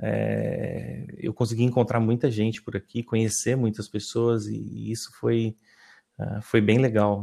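Speaking at a very slow pace, this man has a fairly low pitch, a dark, mellow tone and fairly even intonation. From Brazil. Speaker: software engineer. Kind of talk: interview. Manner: halting, many fillers and repetitions.

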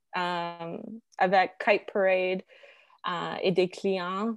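A woman speaks very slowly at a medium pitch with an English accent. The recording is very clean, with a silent background. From Alberta, Canada (Edmonton). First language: English (speaking French). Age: 20s. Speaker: model and marketer. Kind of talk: casual interview. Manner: halting, mixes English and French.

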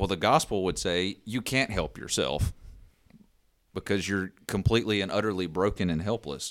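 A man speaks with a very deep, low pitch and vocal fry. His pace is moderate and his pitch variation ordinary. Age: 30s. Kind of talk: casual chat; bible teaching.

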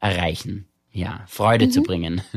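A man with a strong Viennese accent at a moderate pace, on a very clean recording with a silent background. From Austria, Vienna. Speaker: actor and stand-up comedian. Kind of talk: casual interview. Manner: halting.

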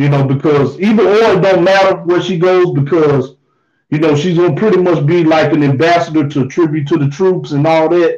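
Delivered at a fairly quick pace, a plain, everyday voice holds a very even loudness and fairly even intonation. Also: man, fairly high pitch for a man. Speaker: podcast co-host. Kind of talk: casual chat.

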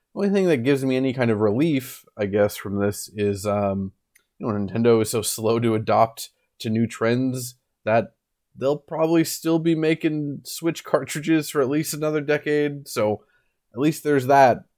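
On a very clean recording with a silent background, a man with an American accent speaks in a normal speaking voice at medium pitch, with lively intonation and a moderate pace. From United States. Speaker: podcast host. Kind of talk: casual solo podcast talk. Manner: casual, filler-heavy.

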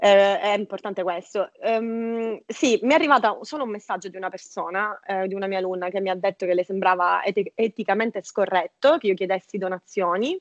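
A woman in a plain, everyday voice talks at a fairly quick pace with hardly any pauses, her medium pitch showing ordinary pitch variation. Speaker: yoga teacher. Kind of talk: casual chat; yoga instruction. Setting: at home.

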